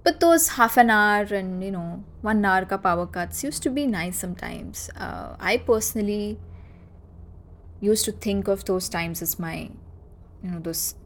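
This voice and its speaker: A woman's voice: medium pitch, a little slow, a little hiss or hum. A woman in her thirties with a South Asian accent, reminiscing in a casual solo podcast with conversational, emphatic repetition. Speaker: podcast host.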